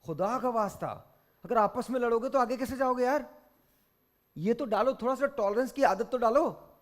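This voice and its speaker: Stern high-voiced Pakistani game show host. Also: male voice, normal speed. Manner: stern, lecturing, repeating himself, mixing in English phrases. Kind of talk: scolding contestants on a studio game show.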